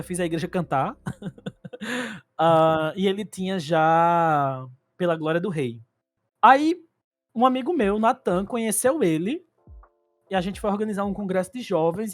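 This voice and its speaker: A man from Paraíba with a Northeastern Brazilian accent, co-hosting a podcast and telling stories in an animated, laughing way. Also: high-pitched, dry recording. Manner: animated storytelling, laughs often. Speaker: podcast co-host. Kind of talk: casual chat.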